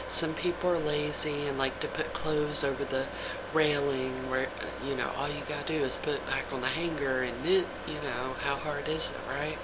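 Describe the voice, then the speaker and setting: A woman tells gossip in a soft ASMR whisper, taking her time with each phrase. She is chatty and confiding, as if talking to friends. A loud, steady hiss and hum sits behind her voice. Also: very deep voice. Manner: casual, chatty, addresses listeners as "you guys". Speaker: ASMR video creator.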